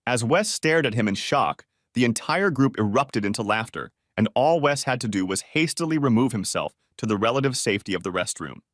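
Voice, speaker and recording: A man narrates an audiobook story in a steady storytelling manner. His pitch moves a lot, though it sits in the middle range. The recording is dry and close. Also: a little fast, few pauses, no room sound.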